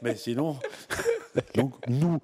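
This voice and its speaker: A man's voice: medium pitch, wildly swooping pitch, very slow, dark tone, slightly rough. A man, a gallery owner speaking in a casual interview, emphatic and passionate, often repeating words as he searches. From Belgium. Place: art gallery.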